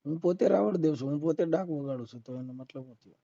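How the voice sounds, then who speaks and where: A man's voice: a little high, fast talker, creaky, mellow. Insistent Gujarati man arguing, muffled phone recording. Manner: insistent, combative, repeats points with rhetorical questions. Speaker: debater on a phone call. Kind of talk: heated argument over the phone.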